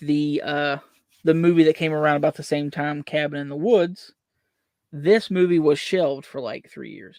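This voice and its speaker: This man's pitch sits fairly high, and his intonation stays fairly even at a moderate pace. The recording is very clean, with a silent background. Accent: Southern US. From West Virginia. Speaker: movie discussion podcaster. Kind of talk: casual chat.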